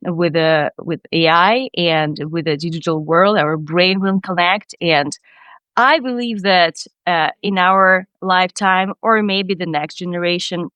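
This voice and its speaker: Ukrainian accent woman, lowish smooth voice, earnest and dreamy on a podcast, dry close mic. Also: unhurried, fairly bright tone, no echo. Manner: earnest, dreamy, many restarts, light non-native grammar. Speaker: startup CEO guest. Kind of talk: casual podcast interview.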